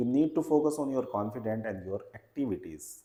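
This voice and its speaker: In an Indian accent, a man with a dark, mellow tone and a medium pitch speaks at a moderate pace with lively intonation. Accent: Indian English (Hindi speaker). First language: Hindi. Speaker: English teacher. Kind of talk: tutorial.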